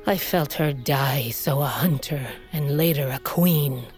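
A fierce, aging tribal queen who has fought her way to the throne and now speaks to her daughter in a grave, measured manner. Her voice sits low and unhurried, and she is weakened and coughing from sickness. This is an audio drama performance with a soft music bed. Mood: grim recounting. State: sickly, coughing.

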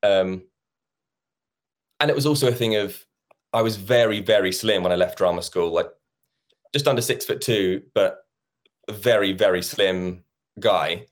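A man's voice: on the low side, a little slow, long pauses. A man in his thirties, a musical theatre actor chatting as an interview guest and acting out past conversations. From England. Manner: chatty, acts out quoted conversations. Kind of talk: casual interview chat.

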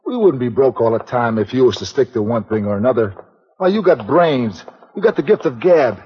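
An actor playing a big, dim-witted male strongman who talks slowly and ungrammatically, in 1940s radio acting. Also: mid-range voice, big pitch swings, slightly rough. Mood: grumbling. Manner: slow ungrammatical speech. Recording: dull old radio recording with reverb.

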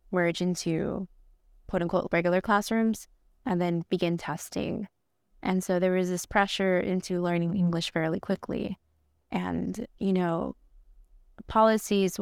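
Young woman teacher from Atlanta, first language Spanish, thoughtful and hesitant, lowish flat voice, dry close sound. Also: creaky, no room sound. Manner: thoughtful, frequent ums and likes. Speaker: art teacher. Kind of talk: reflective podcast interview.

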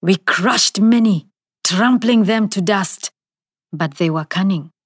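A woman voicing an ancient, nameless male spirit, slow and menacing, in an audio story. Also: mid-range voice, slightly rough, dry recording, studio quality. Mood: raging. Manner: whispering, roaring, menacing.

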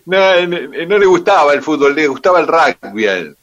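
A man's voice: fairly high pitch, normal speed, highs cut off. A man with an Argentine accent, a radio guest telling history in detail with frequent fillers. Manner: detailed, steady, with "eh" and "este" fillers. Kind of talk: storytelling on radio.

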